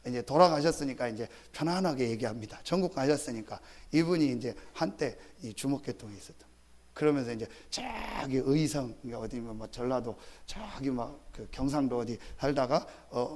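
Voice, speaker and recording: Animated pastor preaching. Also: male voice, mid-range voice. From Chungcheong, Korea. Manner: animated preaching that swings from soft asides to loud emphatic outbursts; conversational, with many fillers and direct appeals to the congregation. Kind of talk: sermon.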